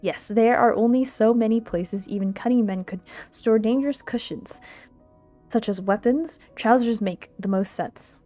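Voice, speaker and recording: A woman streamer reading a visual novel aloud on a livestream, expressive and giggly, stumbling over lines and making asides to chat. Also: fairly high pitch, moderate pace. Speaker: streamer, VTuber. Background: game music.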